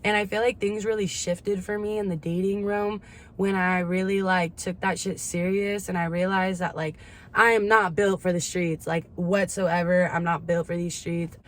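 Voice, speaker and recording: Candid young woman, slightly low voice. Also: flat delivery, normal speed. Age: 20s. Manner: candid, slangy, heavy swearing. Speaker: vlogger. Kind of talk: casual confessional chit chat. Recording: clear background ambient noise.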